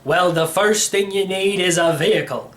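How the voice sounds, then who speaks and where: A man's voice: high voice, normal speed, fairly bright tone, a little hiss or hum. A man voicing an elderly, slightly crazy uncle in a storybook, rambling and teasing with theatrical emphasis. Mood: excited, urging. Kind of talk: acted storybook reading.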